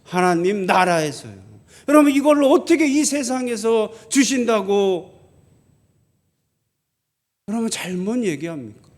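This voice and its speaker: A male pastor delivers a sermon in a notably high voice. He drives his points home with rhetorical questions and emphatic repetition. At moments he sinks into a quiet, pleading tone. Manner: drops to a soft, low voice for pleading.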